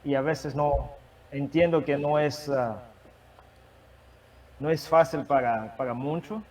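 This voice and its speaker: A man who is not a native Spanish speaker, preaching and sharing a testimony, with a halting manner and many restarts. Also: on the high side, steady tone, a little mellow, distant mic, low-quality recording. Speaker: guest preacher. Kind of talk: sermon testimony.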